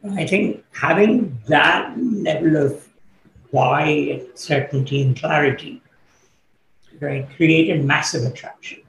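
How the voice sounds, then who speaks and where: A middle-aged man, born in Kenya and raised in the UK, answering interview questions as a business coach in a thoughtful, measured way with fillers. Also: fairly high pitch, creaky, fairly bright tone. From born in Kenya, grew up in the UK. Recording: echoey room, faint background noise.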